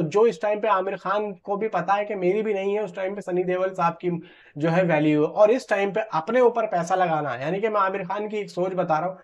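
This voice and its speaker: A man in his thirties with a high-pitched voice talks movies like a vlogger addressing viewers. His delivery is conversational and emphatic, doubling back on phrases to press a point. The sound is a little dull, recorded on a lapel mic in a room at home. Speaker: film news vlogger. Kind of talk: informal film commentary to camera. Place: small room at home, indoors. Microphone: clip-on lapel mic. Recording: slightly dull, muffled sound.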